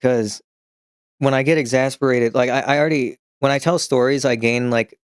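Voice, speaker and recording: A man chatting on a stream, spilling rambling, profane stories full of restarts and little laughs, with a slight New York twang that creeps in as he gets worked up. His voice sits at an ordinary middle pitch. He is recorded on a close, dry mic with no room sound. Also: fairly even intonation, normal speed, clean tone, no room sound. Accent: slight New York-style twang when excited. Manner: chuckles while telling stories. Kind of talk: casual stream chat.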